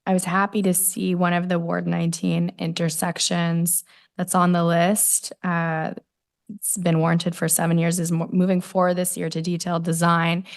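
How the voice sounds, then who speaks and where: A woman city councillor with laryngitis, asking questions at a committee meeting in a hoarse voice with hesitant fillers. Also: on the low side, completely flat delivery, normal speed, no room sound, studio quality.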